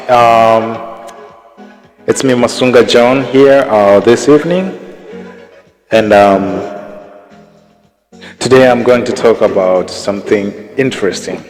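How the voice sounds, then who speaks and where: Brief: relaxed vlogger, slow and pausing, low-ish voice, long reverb and faint music. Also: male voice. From Tanzania. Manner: unhurried, many pauses and fillers, chuckles at his stories. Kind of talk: casual talk to camera.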